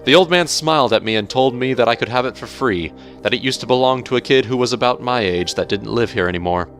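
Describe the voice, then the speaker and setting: A man narrating a horror story in a measured, theatrical storytelling manner over music. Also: medium pitch, fairly bright tone. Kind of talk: dramatic horror story reading. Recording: music bed under the voice.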